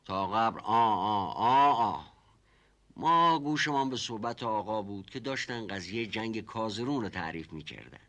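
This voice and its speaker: Mash Qasem, a stammering old servant. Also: male voice, fairly low pitch, animated, fairly bright tone, lo-fi sound. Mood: hesitant. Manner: stammering, evasive, fond of repeating himself. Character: humble hesitant older male household servant. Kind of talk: TV period comedy drama.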